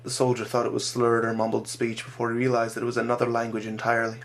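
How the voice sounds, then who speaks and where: Man narrating his own story, measured pace, mid-pitched voice. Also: completely flat delivery.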